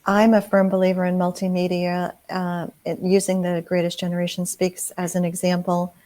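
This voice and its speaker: A middle-aged woman from New England chatting casually as an interview guest, telling stories in an emphatic, expressive way. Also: on the low side, moderate pace. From New England, United States. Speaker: community theater actor, interview guest.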